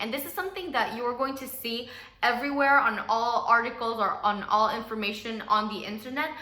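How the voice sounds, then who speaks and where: Amid noticeable background noise and audible room echo, a woman with a slight Spanish accent talks at a moderate pace, high in pitch and with lively intonation. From Costa Rica. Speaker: nutritionist. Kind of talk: vlog talking to camera.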